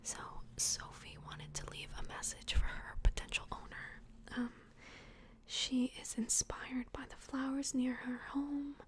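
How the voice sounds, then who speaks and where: High-pitched whispering woman, ASMR roleplay. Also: flat delivery. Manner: gentle, hushed, reassuring, unhurried explaining. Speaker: ASMR roleplay host playing a plush toy adoption worker. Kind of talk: soft-spoken whispered ASMR personal-attention roleplay.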